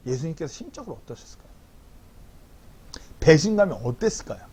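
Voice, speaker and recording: Man, pastor, sermon, husky, lively swinging pitch. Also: a little fast. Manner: animated preaching with acted-out quotes. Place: church hall.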